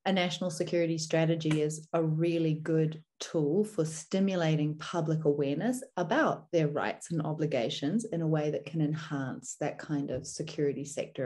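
A woman with a New Zealand accent giving an explanatory seminar presentation in a measured, didactic manner. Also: low voice, warm tone. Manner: measured, didactic, poses rhetorical questions.

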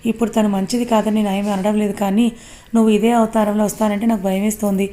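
A woman's voice: mid-range voice, level tone, quick pace, mellow, a little hiss or hum, natural voice. A woman voicing a worried young man who scolds and pleads with his friend.

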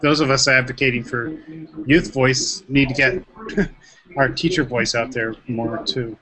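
A man's voice: mid-range voice, fairly even intonation, measured pace, bright, forceful tone, rough recording. A middle-aged man hosting a video call discussion, friendly and chuckling, with hesitant restarts. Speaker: host.

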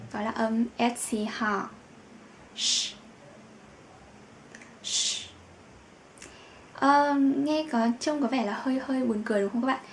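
A woman teaching German pronunciation in a patient lesson, with drawn-out fillers and each example word said twice. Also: fairly high pitch, a little mellow, a little hiss or hum. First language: Vietnamese.

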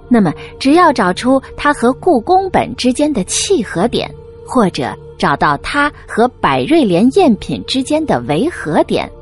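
A woman reading a scripted preview of the next audiobook episode. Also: mid-range voice. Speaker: preview narrator.

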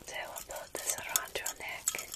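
A woman in her thirties playing a motherly, protective vampire mentor in a soothing, breathy whispered ASMR roleplay, with formal phrasing. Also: unhurried, sharp tone. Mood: soothing, reassuring.

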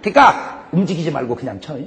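Lively, high-pitched male pastor preaching. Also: fast. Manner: animated storytelling with frequent laughs and shouted punchlines. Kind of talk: humorous revival sermon. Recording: long hall reverb, faint background noise.

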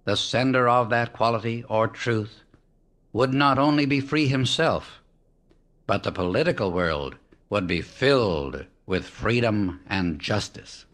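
A man reading a spiritual book aloud as an audiobook narrator, in a measured, emphatic way that slows down on key words. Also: on the low side, a bit bright. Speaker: audiobook reader. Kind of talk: solemn scripted reading of spiritual teachings.

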